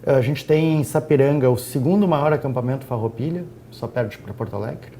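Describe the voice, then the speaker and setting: A man's voice: mid-range voice, a little fast, mellow, a little hiss or hum. A man speaking as a tourism director guest on a studio talk show, fluently listing regional events and attractions. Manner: promotional, fluent, listing facts.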